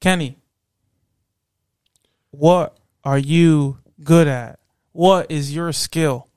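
A man's voice: on the high side, very slow, a little mellow, smooth, no room sound, studio quality. A man talking in casual podcast banter, earnest and repeating himself as he coaxes his friends. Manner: earnest, repetitive, coaxing. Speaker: podcast co-host.

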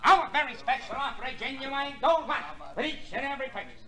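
An actor playing a brassy American burlesque pitchman delivering repetitive sales patter in an old radio drama. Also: brisk. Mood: brassy, hawking. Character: brassy, high-pitched burlesque candy pitchman hawking to crowd. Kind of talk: 1950s radio drama acting. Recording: echoey theater scene with crowd noise.

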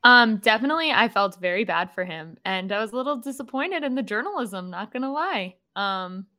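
A woman with a bright, sharp voice chatting on a sports talk show. She comes across loud and upbeat, with a casual flow full of fillers. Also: mid-range voice, animated, brisk. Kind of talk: casual chat.

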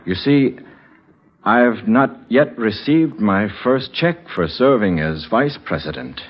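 Grave, low-voiced old-time vice president. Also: male voice, animated, slow pace. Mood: somber, overwhelmed. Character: weary, penniless vice president of long ago, newly told. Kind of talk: 1940s radio acting. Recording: dull old radio broadcast.

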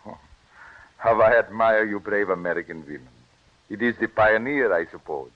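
Actor as a gallant prince, low voice, muffled old radio sound. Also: male voice, normal speed, natural voice. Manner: gallant, formal. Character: courtly Russian prince, older nobleman. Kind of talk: 1940s radio acting.

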